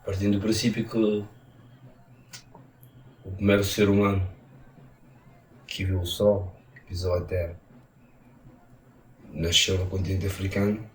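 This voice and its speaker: A man giving measured, analytical answers in a documentary interview. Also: sits low, little pitch movement, a little hiss or hum. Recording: distant, roomy mic with ambience.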